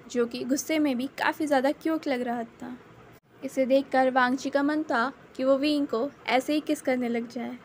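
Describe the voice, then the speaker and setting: High-voiced woman narrating a story. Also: slight background noise. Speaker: fan fiction narrator. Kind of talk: narrating her own fan fiction.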